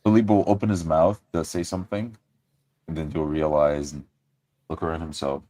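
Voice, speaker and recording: A man's voice: extremely low pitch, little pitch movement, moderate pace, mellow, dry recording. A man playing a tabletop game, describing what his character does.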